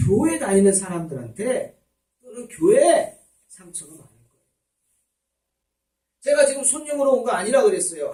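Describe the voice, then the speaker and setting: 교회에서 설교하는 남자 목사로, 겪은 일을 이야기처럼 풀며 등장인물의 말을 흉내 낸다. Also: male voice, high voice, dark tone, reverberant, distant mic, poor audio. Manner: storytelling, acts out quoted people. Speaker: pastor. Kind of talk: sermon. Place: church sanctuary.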